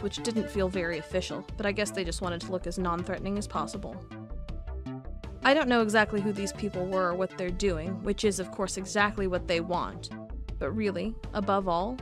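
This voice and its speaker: A woman delivering scripted audio-drama narration and dialogue in a dry, deadpan manner. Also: medium pitch.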